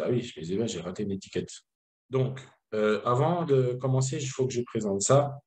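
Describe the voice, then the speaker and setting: A man's voice: on the low side, darkish tone. A man from France presenting a school reading and writing method in a webinar, explaining step by step with fillers and restarts.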